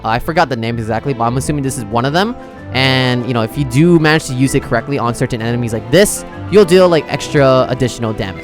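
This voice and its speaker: A man doing chatty, casual reaction commentary as a gaming content creator, sometimes reading game text aloud. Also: medium pitch. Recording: music behind the voice. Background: music.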